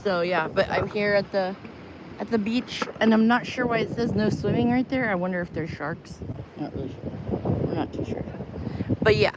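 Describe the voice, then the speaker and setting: A woman's voice: medium pitch, normal speed. A woman from New Mexico chatting casually on a live stream outdoors at the beach, greeting viewers and rambling between tarot readings. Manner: chatty, bubbly, rambling, laughs easily. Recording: outdoor phone audio, loud wind noise. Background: wind and loud outdoor noise.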